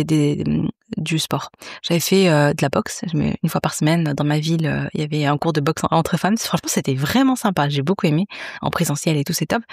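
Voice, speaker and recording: A woman's voice: low voice, darkish tone, dry recording, clean studio sound. Chatty woman in her thirties. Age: 30s. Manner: chatty, confiding, many fillers and restarts. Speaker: podcast host. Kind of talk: casual chat.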